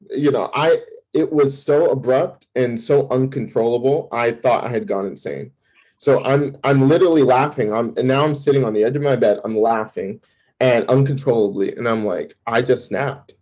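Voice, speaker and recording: Male campus minister, interview guest. Mellow, slightly raspy tone. Animated storyteller who acts out his old thoughts, talking in quick bursts. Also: mid-range voice, poor audio. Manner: fast bursts with restarts and fillers. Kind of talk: personal testimony in an interview.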